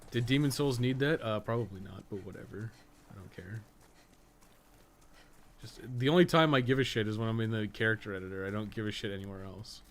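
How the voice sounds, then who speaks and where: A man with a fairly low voice talks casually through a video game. He rambles in a blunt, offhand grumble and swears freely. There is clear noise behind his voice. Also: fairly quick. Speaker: podcast co-host playing a video game. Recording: clearly noisy background behind the voice.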